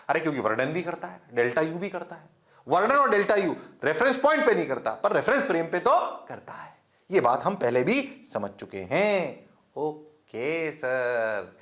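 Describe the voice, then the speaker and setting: A man from India teaching a physics class in a lecture style, firing questions at students, answering them himself, and checking again and again that they understand. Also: high-pitched. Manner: mixes English terms into Hindi speech, repeats checks for understanding. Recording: echoey classroom.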